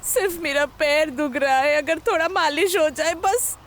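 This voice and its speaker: An actress dubbing a self-pitying elder wife who complains and bickers tearfully. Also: female voice, very high voice, expressive, moderate pace, crowd noise. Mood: complaining. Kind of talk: Hindi dub of a comedic drama. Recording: loud music under the dialogue.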